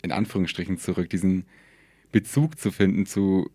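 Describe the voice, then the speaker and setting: Man in his twenties, lowish voice, relaxed, hesitant, lots of fillers, dry close mic. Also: normal speed, no echo. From Germany. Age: 20s. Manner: relaxed, hesitant with many fillers, laughs easily. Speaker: podcast guest. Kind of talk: casual conversation.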